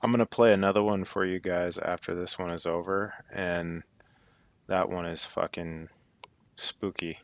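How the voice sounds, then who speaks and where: Smooth low-voiced man, casual host. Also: fairly even intonation, unhurried. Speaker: host playing clips for listeners. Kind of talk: casual off-the-cuff commentary. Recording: slightly dull, lo-fi audio.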